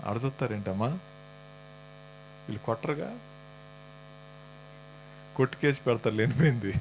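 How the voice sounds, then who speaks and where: A man's voice: medium pitch, moderate pace. A male preacher in a church talks to his congregation in a loose, conversational way, firing teasing questions at them. A faint mains hum sits under his voice. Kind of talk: sermon. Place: church hall.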